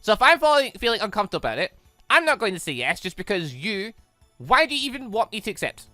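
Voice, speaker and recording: Man reading as a nervous teenage girl, bright voice. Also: high voice, sing-song, quick pace, dry recording, soft background music, pitched above the performer's own voice, heavily acted. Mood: flustered, protesting. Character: nervous, clumsy, self-doubting teenage girl. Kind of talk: visual novel character reading.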